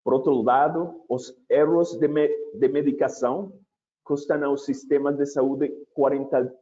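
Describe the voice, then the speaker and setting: A man opening and presenting a webinar in a measured, deliberate way, with occasional restarts. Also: mid-range voice, fairly even intonation, warm tone, dull audio.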